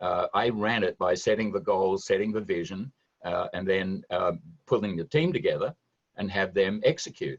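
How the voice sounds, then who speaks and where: A man with a non-native accent speaks at a moderate pace, the sound dry and close with no echo. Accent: non-American, foreign. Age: 80s+. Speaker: business coach, former corporate executive. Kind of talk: interview answer.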